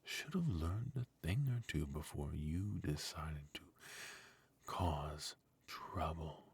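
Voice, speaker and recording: A man playing a smug, fussy retired supervillain husband in an intimate comedic ASMR roleplay, with a husky, mock-sinister delivery. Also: extremely low pitch, expressive, slow pace, heavily acted. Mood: quietly menacing.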